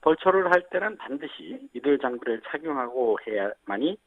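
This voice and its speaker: Guy explaining safety tips over a phone line, kinda husky, lots of "uh"s, tinny sound. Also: mid-range voice, moderate pace. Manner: explanatory, steady, frequent fillers. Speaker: agricultural agency team leader. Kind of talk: phone interview on radio. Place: on a phone call.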